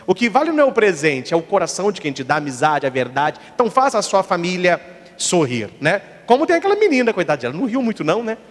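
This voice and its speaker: Male priest, humorous sermon, high voice, very lively pitch, echoey church hall. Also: fast talker. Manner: jokey, animated, talks to the audience.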